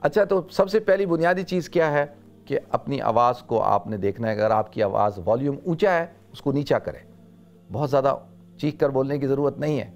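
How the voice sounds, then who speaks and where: Middle-aged South Asian-born male preacher, loud and emphatic, mid-pitched voice, chatty lecture style. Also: faint music behind. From South Asia. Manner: conversational, repeats phrases for emphasis. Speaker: religious scholar giving a talk. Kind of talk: informal Islamic lecture.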